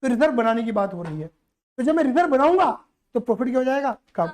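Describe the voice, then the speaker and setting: A man's voice: very high-pitched, big pitch swings, quick pace, a little mellow. A man teaching accountancy to a live class, playful and teasing as he keeps quizzing the students.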